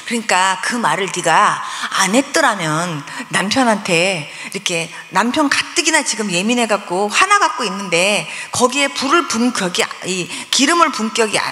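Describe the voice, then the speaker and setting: God speaks like a patient, wise parent as a woman preacher puts on a lower voice, calm and instructive. The sound rings with long reverb in an echoey hall. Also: normal speed, few pauses. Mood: gently correcting.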